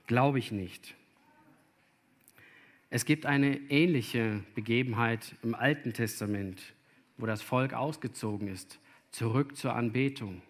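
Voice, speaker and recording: A man preaching a sermon to young listeners, earnest and speaking to them directly. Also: medium pitch. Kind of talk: sermon to children or youth.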